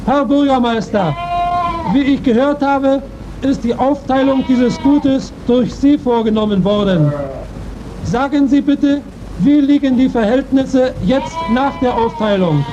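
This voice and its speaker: Male 1940s reporter, slow and formal, noisy dull archive sound with sheep bleating. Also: very high voice. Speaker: radio reporter. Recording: muffled, noisy 1940s archive field recording.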